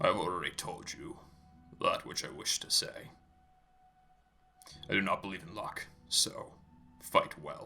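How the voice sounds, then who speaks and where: A man puts on a raspy character voice at a moderate pace with long, frequent pauses as faint music plays in the background. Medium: actual play. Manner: formal, grave.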